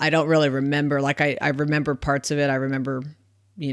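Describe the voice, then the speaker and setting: A woman speaks with an American accent in a very deep, low pitch. The recording is very clean, with a silent background. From Arizona. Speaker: recovering alcoholic sharing her story. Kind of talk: testimony.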